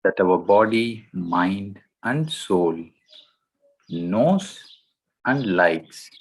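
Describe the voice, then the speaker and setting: A man guiding a meditation in a gentle, deliberate way, speaking in short phrases with long pauses between them. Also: deep voice, animated, breathy edge, low-quality recording. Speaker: meditation guide. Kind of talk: guided meditation instruction.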